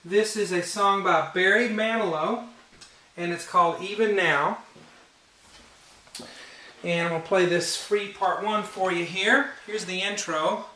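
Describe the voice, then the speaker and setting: A man with a rather high voice giving a casual, relaxed piano lesson at a whiteboard, talking through chords with plenty of fillers. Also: unhurried, long pauses. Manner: relaxed, chatty, many fillers, counts beats and hums notes. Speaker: piano teacher. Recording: roomy sound from a distance over loud piano.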